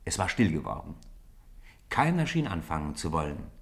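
A man's voice: very deep voice, moderate pace, gravelly. A man narrating a children's radio play as a scripted, theatrical storyteller. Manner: theatrical, animated delivery.

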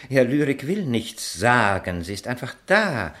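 An actor playing a lofty, evasive amateur poet under suspicion, with a theatrical manner, in a German radio crime drama. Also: male voice, mid-range voice, sing-song, measured pace, fairly bright tone.

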